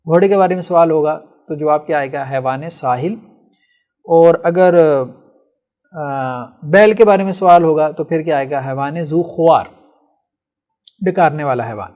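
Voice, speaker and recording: A man's voice: fairly high pitch, darkish tone. A man teaching a logic lesson, explaining step by step and answering his own questions. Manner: often checks with "theek hai". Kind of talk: classroom lecture.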